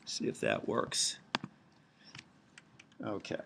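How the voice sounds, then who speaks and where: A middle-aged man with a big, loud voice, giving a recorded university lecture while writing on a tablet, slow and deliberate. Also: background noise. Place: at a computer, screen recording.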